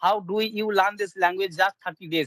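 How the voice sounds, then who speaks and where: Over a dry, close sound with no echo, a man speaks at a fairly quick pace with a high pitch and fairly even intonation. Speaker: English learner. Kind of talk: casual conversation practice. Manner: halting.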